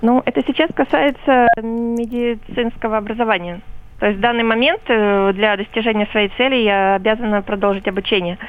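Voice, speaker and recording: A woman with a fairly high pitch and ordinary pitch variation speaks at a moderate pace, her loudness very even. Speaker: caller, medical student. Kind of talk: radio call-in question. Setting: phone call. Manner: polite, formal.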